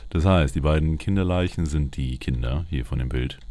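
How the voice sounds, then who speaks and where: A man's voice: a bass voice, normal speed, dark tone. A man giving casual in-character game commentary, muttering to himself in short fragments. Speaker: let's player. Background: video game ambience.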